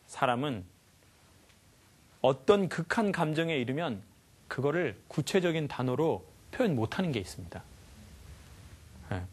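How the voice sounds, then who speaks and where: Animated male lecturer, lively pitch. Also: unhurried, long pauses, breathy edge. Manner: animated, asks the audience questions, acts out sounds. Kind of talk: lively life lecture to a live audience.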